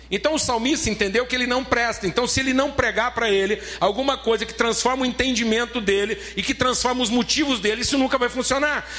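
A Brazilian-accented man preaches a sermon in a notably high voice. He is emphatic, hammers his points home by repeating phrases, and calls his listeners beloved. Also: sharp tone. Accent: Brazilian Portuguese. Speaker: pastor.

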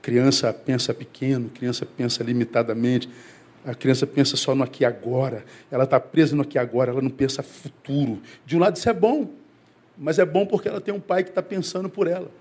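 Man, pastor, from Brazil, sermon, husky voice, animated, speaks to congregation. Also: brisk. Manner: conversational preaching, addresses congregation as brother; acts out quoted voices, rising to high excited emphasis.

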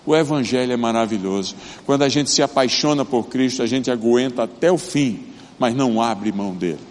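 Older man from Brazil, pastor preaching, animated storyteller, long hall reverb. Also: medium pitch, brisk. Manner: storytelling, animated, acts out quoted voices. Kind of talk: sermon.

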